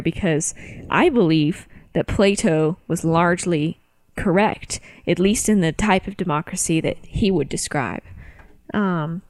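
Give me a low-voiced woman of about twenty-two, earnest and opinionated, recorded dry. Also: no room sound. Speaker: podcast panelist. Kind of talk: casual group chat over a call.

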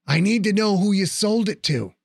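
A cocky male fighter trades quips with mock politeness, put on by a man reading an audiobook. The voice sits a touch higher than the reader's own, with a gravelly grain. It sounds close and dry. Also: expressive, moderate pace, dry recording, heavily acted. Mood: placating.

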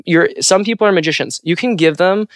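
A woman's voice: on the low side, a little fast, no room sound, clean studio sound. A trans woman from California, a Foley artist, chatting casually on a podcast with a fairly androgynous voice. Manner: animated, androgynous voice.

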